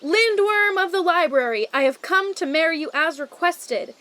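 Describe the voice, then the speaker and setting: Woman playing plucky young female knight, high voice, eager, bold declaiming, fairy-tale audio comedy. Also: expressive, moderate pace, bright, forceful tone, exaggerated voice.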